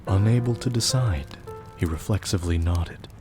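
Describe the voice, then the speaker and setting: A deep-voiced man acting as a male storyteller narrates a gothic audio drama over music. His delivery is grave, measured and literary, with a somber tone. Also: close to an everyday voice. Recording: loud music behind the voice.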